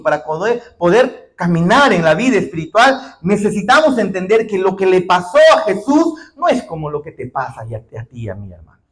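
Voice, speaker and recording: High-voiced emphatic preacher. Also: male voice. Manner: emphatic, rises to shouted declarations, keeps addressing listeners as brother. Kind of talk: sermon.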